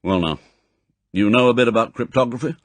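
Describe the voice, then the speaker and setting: A man voicing a gruff, impatient elderly spy chief, brusque and authoritative, in an audiobook. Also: medium pitch, a little fast, no echo, pitched above the performer's own voice, lightly acted. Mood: brisk, businesslike. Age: older. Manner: brusque, authoritative, clipped commands. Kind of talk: audiobook character acting.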